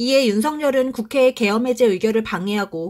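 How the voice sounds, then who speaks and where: Set against a silent background in a very clean recording, the words arrive at a fairly quick pace. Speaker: history lecturer YouTuber. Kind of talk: scripted commentary. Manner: formal.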